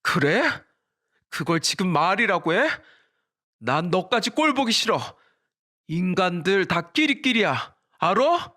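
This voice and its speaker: A man's voice: high voice, sing-song, unhurried, full character voice. A man voicing an angry husband and eldest son who confronts his mother in a storybook drama. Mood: furious. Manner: shouting, indignant.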